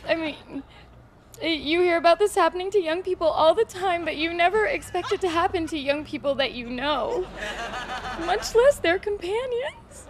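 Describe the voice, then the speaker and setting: A young American fiancée in a comic news interview. She cries as she talks, frightened and overwrought, in an extremely high, wailing voice. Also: animated, normal speed. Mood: tearful, scared. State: crying.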